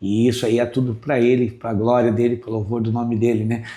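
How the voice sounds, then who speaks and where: A man speaks at a medium pitch in a monotone, flat intonation. His tone is dark and mellow, somewhat breathy. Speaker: pastor. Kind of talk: testimony.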